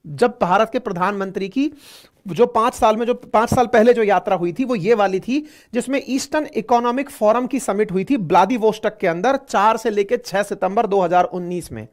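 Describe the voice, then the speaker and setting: A man's voice: sits high, moderate pace. A man teaching current affairs in a conversational lecture, repeating his points and speaking straight to the listeners. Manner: chatty, repeats points, addresses listeners directly.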